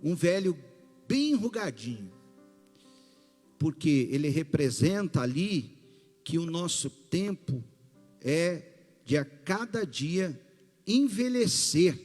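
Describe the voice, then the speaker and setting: A Brazilian Portuguese-accented male pastor preaches in a high, swooping voice at an unhurried pace. His words ring out with a long hall reverb. Soft music sits faintly underneath. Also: sing-song. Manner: slow, emphatic preaching with rising bursts. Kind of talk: sermon.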